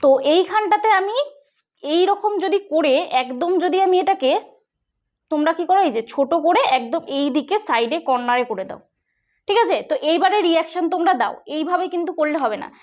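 High-voiced, quick West Bengal woman. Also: expressive. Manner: chatty, explanatory, often checks with listeners. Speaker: tech channel host. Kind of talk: casual tutorial vlog.

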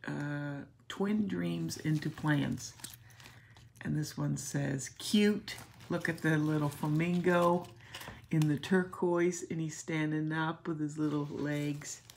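Woman, craft vlogger, unhurried, low voice, tender and emotional, casual unboxing chat. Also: fairly even intonation, vocal fry, darkish tone, a little hiss or hum. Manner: gushing and tender, often drops to a whisper. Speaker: craft channel host.

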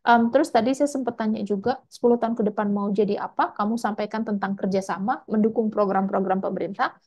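A scholarship mentor gives casual, chatty feedback after a mock interview on a video call, sprinkling in frequent tag words. Her voice is medium-pitched and a little mellow, with fairly even intonation and a fast pace.

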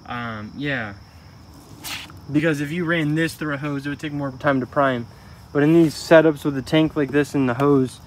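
A man's voice: on the high side, a little hiss or hum. A man casually reviewing pressure washers outdoors, talking in a rambling way with lots of fillers, recorded on a body-worn camera. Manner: rambling, self-correcting, filler-heavy. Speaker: tool reviewer. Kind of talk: casual product demo vlog. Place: outdoor garden walkway by a tree. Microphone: body-worn camera, first-person view.

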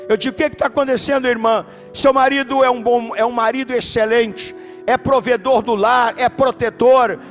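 Brazilian male pastor, very high voice, lively sermon with shouted emphasis, faint music under it. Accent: Brazilian Portuguese. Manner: animated preaching, shouts for emphasis. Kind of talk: sermon with storytelling. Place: church.

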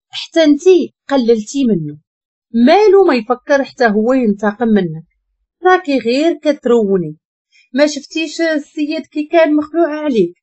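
A woman with a Moroccan accent tells a first-person story in a high voice that swings widely in pitch. She voices the dialogue of each character with colloquial drama. The recording sounds muffled and low in fidelity. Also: darkish tone.

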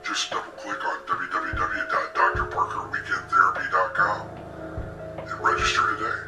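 Man as creepy male therapist pitchman, slightly low voice, mock radio ad with music behind. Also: little pitch movement, normal speed, recorded from a distance, close to an everyday voice. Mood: salesman pitch. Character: sinister male therapist pitching his weekend retreat. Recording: roomy echo, off-mic, music underneath. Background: clear music.

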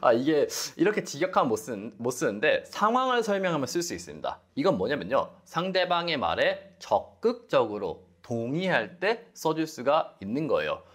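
A man's voice: a little high, normal speed, hardly any pauses, breathy edge. Young guy teaching english phrases, voice jumps up and down a lot, acts out little dialogues. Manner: animated, acts out sample dialogues. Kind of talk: explaining English phrases to viewers.

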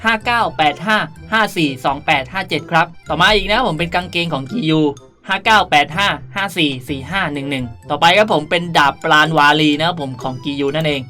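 A man's voice: on the high side, a little fast, few pauses, pushed and bright. A man hosting a casual game tutorial, chatting politely and often addressing his viewers. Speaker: video creator and host. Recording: music behind the voice. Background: music.

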